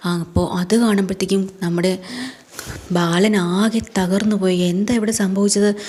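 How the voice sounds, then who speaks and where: A woman's voice: medium pitch, mellow. A woman casually retelling a television serial episode, chatty and colloquial with frequent tag words and fillers. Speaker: serial recap narrator. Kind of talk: casual spoken story recap.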